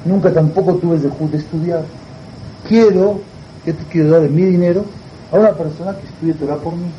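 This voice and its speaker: A man's voice: a little high, steady tone, brisk, a little hiss or hum, lightly acted. A man voicing a humble old man with a white beard who speaks hesitantly and earnestly, in a muffled recording. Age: older.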